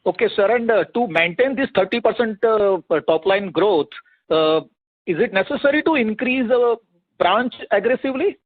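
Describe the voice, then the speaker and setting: Male caller, high-pitched, hesitant and polite analyst questions through a thin telephone line. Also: animated, moderate pace, no room sound. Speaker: analyst asking questions on an investor call. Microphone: phone call. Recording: narrow dry phone line.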